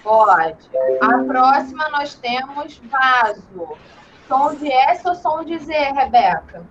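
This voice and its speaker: A woman's voice: high-pitched, animated, a bit bright, soft background music. Patient woman teacher on a video call. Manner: patient, slow and encouraging, calls herself "tia". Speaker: primary school teacher. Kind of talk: online class for young children. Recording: lo-fi video call audio with faint noise.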